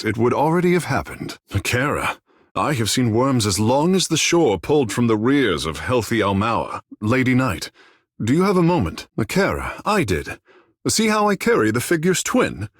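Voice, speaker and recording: Tekēhu, a proud, expressive tribal godlike. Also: male voice, medium pitch, no echo, studio quality. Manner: formal, lyrical, theatrical phrasing. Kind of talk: video game character dialogue.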